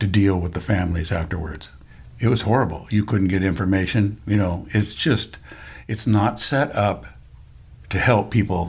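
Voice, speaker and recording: In a Pacific Northwest accent, a man with a fairly low pitch and a somewhat breathy voice talks at a moderate pace with ordinary pitch variation. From Seattle area. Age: 70s. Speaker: interviewee. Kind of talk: casual chat.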